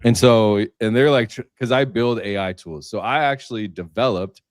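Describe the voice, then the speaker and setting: A man with a lowish voice, recorded close and dry, talks as a panelist on a livestream. His delivery is casual and a little tentative as he works through his explanations. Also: moderate pace, no room sound.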